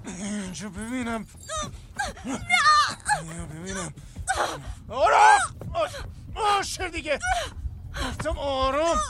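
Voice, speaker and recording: A man voicing a bullying, hot-tempered young man in a dubbed drama, his voice pitched very high and swinging wildly up and down. He repeats himself as he threatens. A noisy hiss sits under the recording. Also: sing-song, pauses often, heavily acted. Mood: struggling, shouting.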